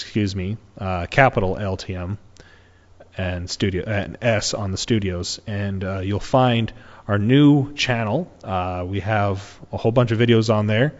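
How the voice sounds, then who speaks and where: A man with a fairly low voice gives casual closing announcements as moderator. He rambles and restarts often. The sound is dull and reverberant. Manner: rambling, many fillers and restarts. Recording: muffled with long reverb.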